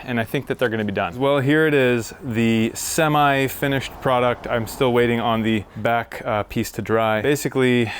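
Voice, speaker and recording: A man's voice: medium pitch, clean tone. An American man talking casually and informally, in an upbeat way, as he walks through a DIY project. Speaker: DIY vlogger. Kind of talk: casual build walkthrough to camera. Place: garage and inside a parked or moving truck. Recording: faint vehicle and ambient noise.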